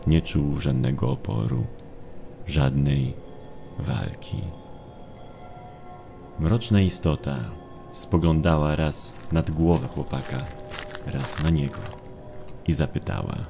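Mężczyzna, narrator słuchowiska grozy, opowiada ponuro i miarowo. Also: male voice, rumbling low, vocal fry. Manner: somber, measured storytelling. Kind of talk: scripted horror audio drama narration. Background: music.

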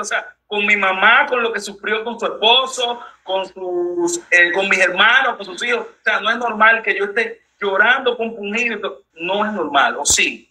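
A man with a Dominican Spanish accent hosts a conversational interview, sharing his own experience and pressing his guest with pointed questions. His voice sits high for a man and has a very bright, forward tone. He speaks earnestly and in a personal way. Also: low-quality recording. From Dominican Republic.

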